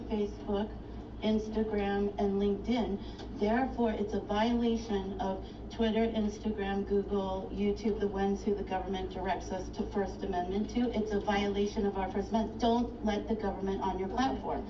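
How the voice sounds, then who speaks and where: A woman filing her own case at a courthouse clerk's counter, complaining in an agitated, indignant rush. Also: medium pitch. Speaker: self-represented litigant filing a case. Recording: echoey, distant, muffled and noisy.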